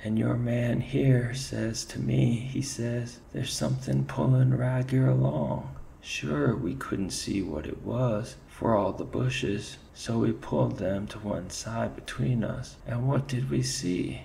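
A man voicing a frightened, superstitious male ferret soldier with an Irish accent and a high, quavering voice. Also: lively intonation, slow pace, gravelly, hardly any pauses, mellow, a little hiss or hum, full character voice. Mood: fearful.

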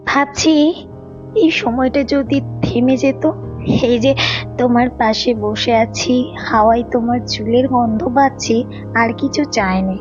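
A woman's voice: on the high side, slow pace. A woman playing a lovelorn, devoted woman in an audio romance drama, with a tender, wistful, emotional delivery. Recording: dull lo-fi audio with faint music. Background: faint music.

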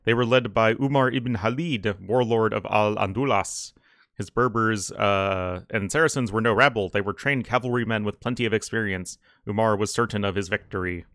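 A man hosting a strategy game video, reading mission text aloud in a relaxed, chatty way. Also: lowish voice, moderate pace, no echo, studio quality. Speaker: gaming channel host. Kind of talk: let's play commentary.

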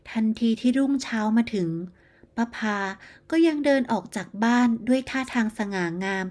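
A woman narrating a moral bedtime story in a steady, measured storytelling manner. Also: on the high side.

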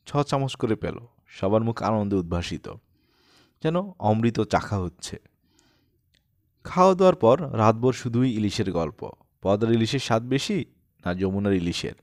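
A man's voice: mid-range voice, a little mellow, no echo, clean studio sound. A man reading a humorous personal essay as scripted audiobook narration.

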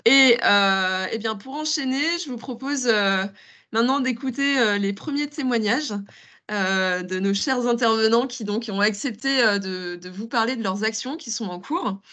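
A woman moderating an online information session, talking briskly and apologetically, with frequent hesitations. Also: a little high, pushed and bright. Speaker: national contact point moderating a webinar. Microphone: video call.

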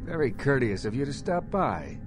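An actor playing a middle-aged American vampire baron in a video game, formal and measured with a wary edge of menace. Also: male voice, medium pitch, sing-song, over music, lightly acted. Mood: formal, veiled menace. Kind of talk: scripted game dialogue.

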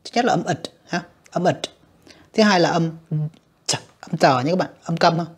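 A woman with a lowish, slightly husky voice walks through an exam as a teacher. She speaks patiently, repeating herself and filling pauses as she explains each answer. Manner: patient, repeats words, frequent fillers. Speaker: English teacher. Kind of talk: exam walkthrough lesson.

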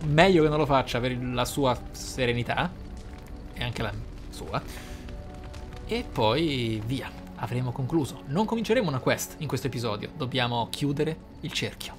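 A man giving casual, excitable playthrough commentary, often thinking aloud. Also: mid-range voice, moderate pace. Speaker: gaming channel host. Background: game music.

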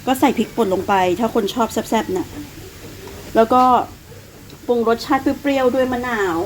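A woman's voice: on the high side, moderate pace, slight background noise, poor audio. A woman in her thirties from Thailand with a Northeastern Thai accent, chatting casually through a home cooking vlog and calling herself by her own nickname. She has a cough and some phlegm. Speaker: cooking vlogger.

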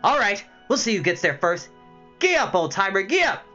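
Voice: medium pitch, sing-song, sharp tone, lo-fi sound, faint music behind, pitched above the performer's own voice. A reader doing a chirpy tiny little man. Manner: chirpy, brisk, spirited. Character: tiny cheerful male rider in a top hat.

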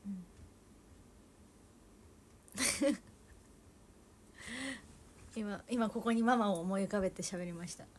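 A woman's voice: medium pitch, slow, pauses often, slight background noise. A young woman from Toyama with a Toyama accent, chatting casually with viewers on a livestream and giggling often. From Toyama, Japan. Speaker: idol livestreamer. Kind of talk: casual livestream chat reading comments.

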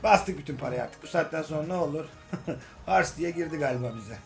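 A young man giving casual, joking commentary while playing slot games, swinging from grumbling to excited hype. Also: a little high, a little fast, creaky. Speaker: slot game streamer. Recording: faint music behind voice. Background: faint game music.

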